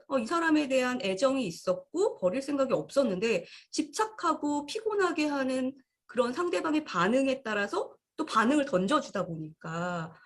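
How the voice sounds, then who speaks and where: Husky-voiced woman explaining calmly. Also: high-pitched. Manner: calm, explains with quoted example thoughts. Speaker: podcast co-host. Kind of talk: casual explanatory chat.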